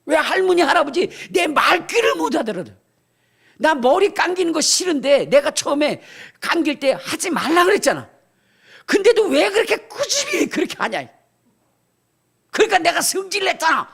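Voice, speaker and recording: An older pastor voicing his grumpy little grandson, who shouts and complains that grandpa never listens. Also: very high-pitched, sing-song, moderate pace, gravelly, voice pushed up, full character voice. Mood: indignant. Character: indignant little boy, grumpy toddler grandson.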